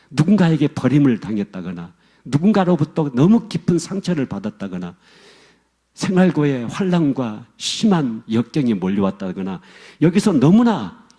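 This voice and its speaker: A man's voice: mid-range voice, mellow, breathy edge. A male pastor preaching a sermon, telling a story with emphasis and speaking directly to the congregation.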